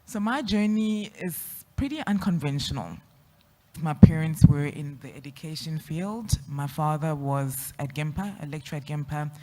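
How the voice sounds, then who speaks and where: Outgoing south african-accented woman on a panel, bubbly, laughs a lot, sound bouncing round a big hall. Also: deep voice. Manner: extroverted, lively, quick to laugh. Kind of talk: panel talk about her journey. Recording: echoey hall.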